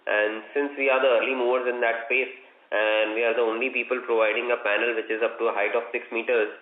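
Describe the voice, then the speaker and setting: A man with an Indian accent, a company executive answering questions on an earnings call in a measured, explanatory way. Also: mid-range voice, level tone. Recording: roomy, dull conference call line.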